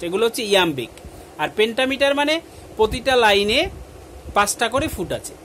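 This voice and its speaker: A male teacher giving an exam-prep literature lesson, slowly dictating answers in English and explaining them in Bengali. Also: sits high, a bit bright, a little hiss or hum.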